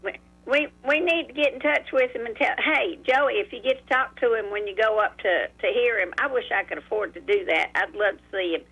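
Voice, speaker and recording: A woman's voice: a little high, brisk, fairly bright tone, slightly rough. A woman in her eighties calling in to a talk radio show, chatty and affectionate, often repeating words. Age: 80s. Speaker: caller. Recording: phone line.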